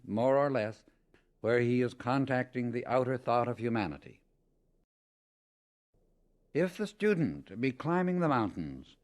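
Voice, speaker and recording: A man reading a scripted spiritual teaching as an audiobook, in a solemn, deliberate and emphatic manner. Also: mid-range voice, darkish tone. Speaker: audiobook reader.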